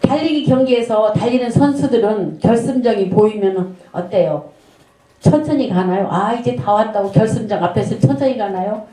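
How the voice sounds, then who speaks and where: With a mellow, medium-pitched voice at a moderate pace, a middle-aged woman pastor delivers an earnest sermon. She tells a story and raises rhetorical questions, her words echoing around the church sanctuary.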